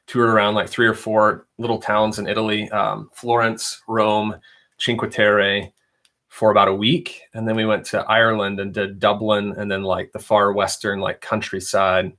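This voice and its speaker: A man with a fairly low voice, talking casually to his live stream viewers. He rambles easily from topic to topic and reads out their questions as he goes. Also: sharp tone. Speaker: reseller livestream host.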